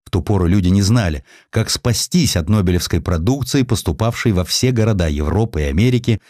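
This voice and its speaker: A man with a low voice reads a historical narrative in a theatrical, ironic way. His intonation is very lively and moves freely up and down. The sound is dry and close, as in a produced audiobook. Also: a little fast, no room sound. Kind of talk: dramatic scripted narration of a historical essay.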